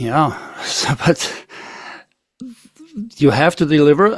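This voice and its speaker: A man talks in a German accent at a fairly high pitch. The sound is dry and close, with no echo. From Germany. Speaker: interviewer, musician and caricature artist. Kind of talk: interview. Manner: halting.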